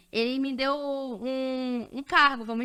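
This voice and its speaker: In a raised, projected voice, a woman speaks with a high pitch, a bright, sharp tone and monotone, flat intonation. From Brazil, Maranhão. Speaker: podcast guest, university student. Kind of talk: personal testimony in interview.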